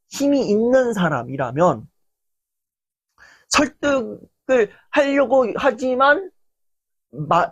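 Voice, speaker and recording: In a dry recording, a young adult man with a high-pitched voice delivers an informal lecture, animated throughout as he performs other people's reactions.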